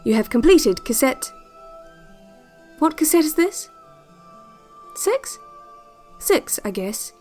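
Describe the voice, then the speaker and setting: An actress playing a calm, yearning woman who narrates secret relaxation cassettes in a measured, intimate audio drama monologue. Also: high voice, faint music behind, full character voice. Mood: earnest, impatient. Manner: measured, deliberate, repetitive phrasing.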